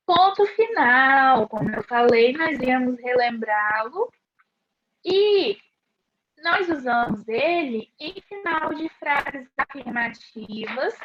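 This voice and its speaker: A woman teacher explaining a class lesson slowly and clearly, asking rhetorical questions. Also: fairly high pitch, slight background noise. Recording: dull lo-fi recording.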